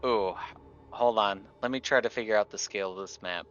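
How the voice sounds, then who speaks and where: A man's voice: on the low side, a little fast, a bit bright, dull audio, a little hiss or hum. A man playing a tabletop roleplaying game, chatting casually in a wry, playful manner.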